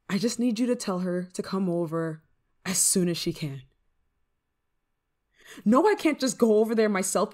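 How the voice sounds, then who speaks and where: Novice witch, played by a woman: affectionate, flustered, hesitant, mid-pitched, slow delivery, roleplay audio. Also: close to an everyday voice. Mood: exasperated. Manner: hesitant, stammering, fretful, sighing. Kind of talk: ASMR roleplay monologue to the listener.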